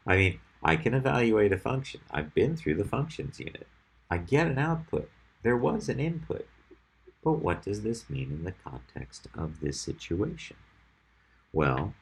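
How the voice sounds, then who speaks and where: A man's voice: low-pitched, slightly rough, low-quality recording. A man teaching a math class, whose first language was Albanian. He explains each step patiently and keeps checking in with his students. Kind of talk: classroom lecture on functions.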